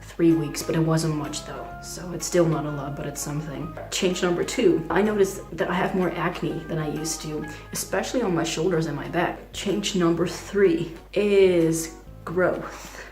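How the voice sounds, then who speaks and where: A young trans man talking in a casual video diary, hesitant and full of fillers, with a fragile voice that sometimes skips between low and high. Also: fairly even intonation, moderate pace, reverberant, over music. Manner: hesitant, many "like" fillers, nervous laughs. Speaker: vlogger.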